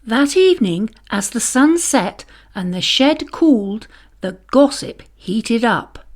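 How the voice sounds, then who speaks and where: A woman reading a children's story aloud as narrator, expressive and deliberate. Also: on the high side.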